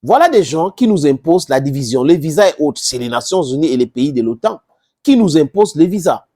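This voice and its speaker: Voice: mid-range voice, sing-song, fairly quick, dark tone. A commentator from Southern Cameroon with a Cameroonian accent and English as first language, giving impassioned informal political commentary with emphatic repetition and rhetorical questions. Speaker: political commentator addressing viewers.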